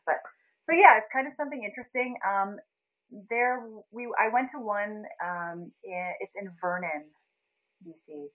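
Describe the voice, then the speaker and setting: A woman's voice: lowish voice, low-quality recording. A young woman from Canada chatting casually on a livestream, telling a story with lots of laughs and greeting viewers by name. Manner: chatty, animated storytelling, laughs often, reads out viewer names. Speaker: livestream host.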